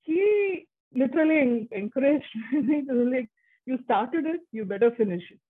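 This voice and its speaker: A woman's voice: high-pitched, lively intonation, normal speed, breathy edge. A woman in her forties whose first language is Tamil, talking casually as an interview guest, chatty with frequent restarts. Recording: muffled phone-like line.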